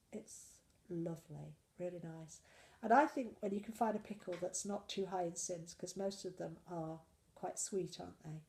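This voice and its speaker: Gravelly woman with a cold. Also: lowish voice, warm tone. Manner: chatty, rambling, self-deprecating. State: full of cold. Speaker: slimming vlogger. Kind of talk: casual weekly diet vlog.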